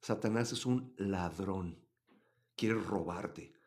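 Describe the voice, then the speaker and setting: Emotive man teaching the Bible. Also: slow pace. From Mexico. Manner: emotive, swings from loud emphasis to low asides. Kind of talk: live Bible study reading chat comments.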